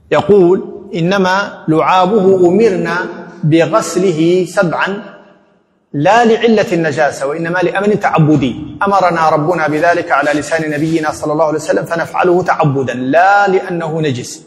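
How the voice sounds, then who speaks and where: A man's voice: a little high, in a large hall. A man teaching a lesson on Islamic law, explaining a text and quoting scholarly opinions.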